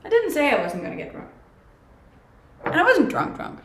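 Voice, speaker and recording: A woman's voice: high voice, wildly swooping pitch, normal speed, fairly bright tone. A young woman with a Danish accent, chatting casually on a livestream and answering viewer comments, laughing often. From Denmark. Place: home kitchen, indoors. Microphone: webcam at desk distance. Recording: echoey kitchen with faint background hum.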